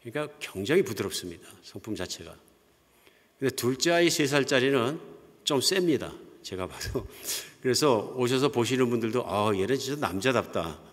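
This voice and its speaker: A man's voice: medium pitch, lively intonation, normal speed. Older male pastor in a reverberant church. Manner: conversational, anecdotal storytelling with soft chuckles. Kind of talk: sermon. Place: church sanctuary. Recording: long hall reverb.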